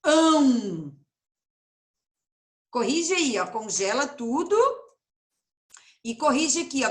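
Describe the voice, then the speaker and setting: A Brazilian woman teaching young children in an online class, playful and sing-song, stretching words out slowly. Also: high-pitched, echoey room. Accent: Brazilian Portuguese. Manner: animated, drawn-out sing-song word stretching; playful, addresses pupils affectionately. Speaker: primary school teacher. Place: home, room with echo.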